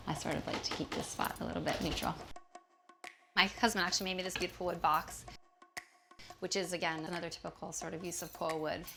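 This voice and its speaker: A woman from Hawaii in her thirties giving an enthusiastic, casual tour of her small home. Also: lowish voice. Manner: warm, enthusiastic, laughs often. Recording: background music.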